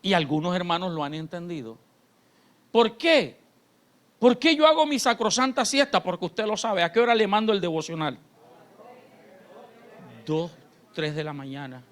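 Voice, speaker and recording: A man pastor, preaching a sermon in church. His delivery swings between shouted fervor and quiet, confiding talk. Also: sits high, animated, moderate pace, pauses often. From Colombia. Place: church sanctuary.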